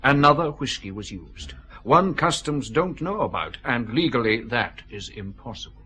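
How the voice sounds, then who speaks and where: An actor playing a precise customs officer who patiently explains a lab analysis. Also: male voice, medium pitch, big pitch swings, normal speed, bright, forceful tone. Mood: explaining. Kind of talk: radio drama acting.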